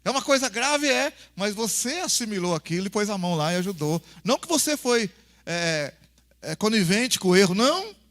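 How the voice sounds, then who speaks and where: The male pastor's voice sits high with big swings in pitch, a slightly bright tone, and a fairly quick pace. With a Brazilian accent, he delivers a chatty, folksy sermon, calling people "brother" and dramatizing family exchanges.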